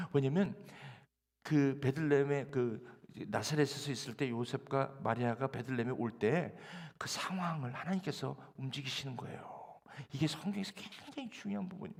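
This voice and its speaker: A man speaks at a fairly quick pace in a fairly high, somewhat breathy voice with an animated tone. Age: 60s. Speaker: pastor. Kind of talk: sermon. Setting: church.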